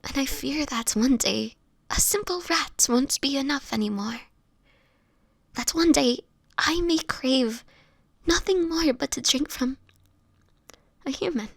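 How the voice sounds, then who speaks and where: A woman playing a sickly homeless vampire in an audio roleplay, guilt-ridden and protective, with halting, pleading, breathy speech that often drops to a whisper. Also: high-pitched, no room sound. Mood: despairing, ashamed. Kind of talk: dramatic audio roleplay monologue.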